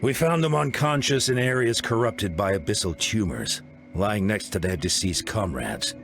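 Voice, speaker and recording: An actor playing a grave, composed tribal leader in a video game, speaking in a formal, measured way. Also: male voice, fairly low pitch, animated, gravelly, fairly bright tone, faint music behind. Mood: grave, explanatory. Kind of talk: scripted game voice acting.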